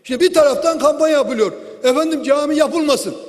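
A man speaks from a parliamentary rostrum into a lectern microphone. His voice sits very high, and a long reverb from the big hall trails his words. His delivery is forceful and declamatory, full of rhetorical questions. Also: fast talker. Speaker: member of parliament giving a speech. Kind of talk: political speech from the rostrum.

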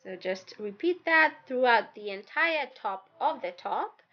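A young woman with the flu, her voice raspy and hoarse, narrating a sewing tutorial in a chatty, playful way and talking straight to her viewers. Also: on the high side, lively intonation, unhurried. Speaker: DIY fashion YouTuber. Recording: slightly dull audio with soft background music.

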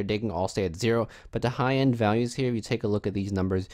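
Low-voiced man giving a casual software tutorial. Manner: informal, step-by-step instructing. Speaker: tutorial host. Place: indoors, voice-over for screen recording.

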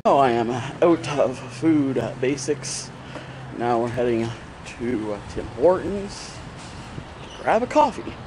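A man's voice: a little high, noisy background. Chatty man with a cold. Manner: rambling, chatty, many fillers. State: congested with a cold. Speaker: vlogger. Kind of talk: casual vlog talk to camera. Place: bedroom, outdoors on streets, in a store. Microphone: handheld action camera at arm's length.

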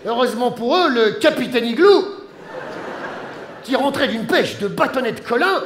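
A male comedian narrates a silly tale on a theatre stage, his voice pitched very high. He keeps breaking into comic character voices. The sound is roomy, with a clear audience murmur behind him. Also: lively intonation, moderate pace. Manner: theatrical storytelling, jumping into many comic voices. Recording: roomy live stage recording with audience noise.

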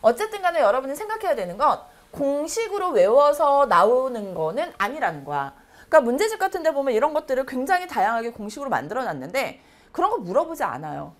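Lively, chatty woman math teacher. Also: a little high. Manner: lively, chatty storytelling asides. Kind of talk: lecture explaining exam problems.

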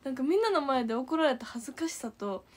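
Lively young woman with Kansai accent. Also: sits high, fast, slight background noise. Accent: Kansai Japanese. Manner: animated, giggly storytelling. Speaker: idol livestreamer. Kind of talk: casual storytelling to viewers.

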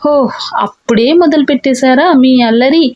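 A woman's voice: high-pitched, normal speed, darkish tone, lo-fi sound, lightly acted. A woman voicing a shy, flustered young wife in a romantic audiobook story. She plays her protesting and easily embarrassed.

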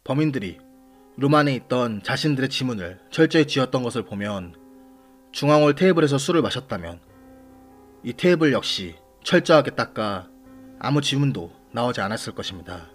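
A man hosting and narrating a scripted true-crime series in a measured, formal manner, putting questions to the audience. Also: medium pitch, animated. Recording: voice over background music. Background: background music.

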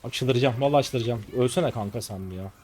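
A man in his late twenties giving live gameplay commentary as a streamer, excitable and exasperated, with rough slangy banter at teammates. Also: mid-range voice, quick pace. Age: late 20s. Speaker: gaming streamer.

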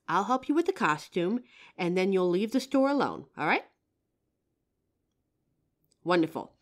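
A woman playing a friendly, curious psychic who helps out in a costume shop, chatting expressively to the listener in a roleplay audio drama. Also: mid-range voice. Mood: helpful, confiding. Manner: chatty, expressive, with pauses and soft laughs. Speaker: voice actor. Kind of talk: roleplay audio drama, one side of a chat addressed to the listener.

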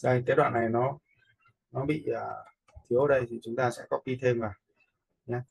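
Gravelly, husky man teaching software. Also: medium pitch, steady tone, a little fast. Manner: step-by-step, repetitive check-ins with viewers. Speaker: video editing instructor. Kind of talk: informal screen-recorded software tutorial.

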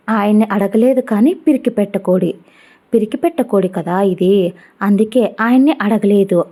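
A sharp-tongued young college girl , as a woman narrator reads her, scolding and teasing her friend in a storybook telling. The tone is warm and mellow. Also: medium pitch, natural voice.

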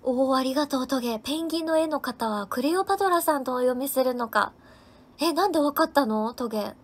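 Female live-stream host, high voice, cheerful, rattles through viewer names and thank-yous. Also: animated, a little fast, husky. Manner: cheerful, thanks viewers by name one after another. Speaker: livestream host. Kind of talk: casual live-stream chat reading viewer comments.

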